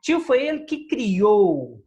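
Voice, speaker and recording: A woman's voice: medium pitch, very animated, takes it slowly, dark tone. Woman, teacher, lesson review, explanatory, asks questions.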